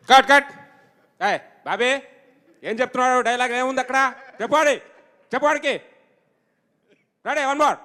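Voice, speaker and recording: A man playing an impatient film director on set, barking orders loudly. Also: very high-pitched, long reverb tail, pitched above the performer's own voice. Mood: bossy.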